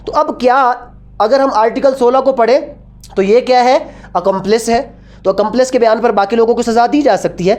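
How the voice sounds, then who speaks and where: A woman's voice: fairly high pitch, brisk, darkish tone. A woman with a Pakistani accent giving a law lecture in a didactic way, asking rhetorical questions and repeating her points. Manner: didactic, repeats points and questions, switches between Urdu and English.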